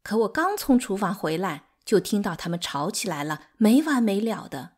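A woman's voice: mid-range voice, sing-song, moderate pace, slightly rough. A woman voicing a flustered, gossipy maidservant in an audiobook, urgent and tattling. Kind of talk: audiobook character acting.

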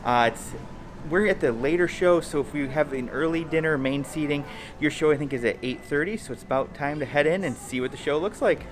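A man's voice: fairly high pitch, fairly quick. Upbeat man vlogging on a cruise ship. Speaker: vlog co-host. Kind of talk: casual travel vlog chat. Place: cruise ship corridors, indoors. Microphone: camera at arm's length.

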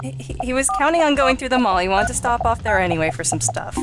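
A woman's voice: fairly high pitch, expressive, fast talker. Wry woman hosting a let's play. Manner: wry, joking. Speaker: gaming video host. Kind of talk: casual let's play commentary. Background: game music.

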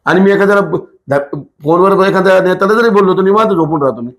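Speaking fast in a high voice, a man who is a political activist responds to a casual interview with blunt, emphatic answers and rhetorical questions.

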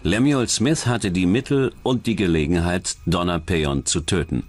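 A man's voice: sits low, normal speed. A man reading scripted true-crime documentary narration as the narrator. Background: background music.

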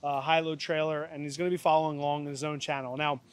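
A man's voice: on the high side, flat delivery, fast, a crowd in the background. A man in his thirties hosting his channel, talking casually and upbeat with plenty of fillers, filmed outdoors in a yard on the camera mic. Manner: chatty, upbeat, loose with fillers. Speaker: channel host. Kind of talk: casual vlog chat and outro. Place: outdoors in a yard by an old camper.

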